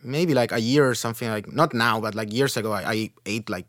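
A man's voice: medium pitch, brisk, a bit bright, no room sound, studio quality. A man from Chile, a guest musician, chatting casually and loosely, with lots of "like" and "you know". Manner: loose, rambling, many fillers like "like" and "you know". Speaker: guest, bassist. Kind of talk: casual podcast chat.

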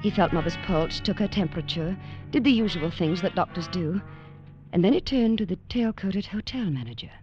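Brisk and lively in intonation, a lowish, darkish voice close to everyday speech plays an earnest young English woman in 1940s radio acting. She recounts her story breathlessly and wide-eyed, over a muffled old broadcast with music.

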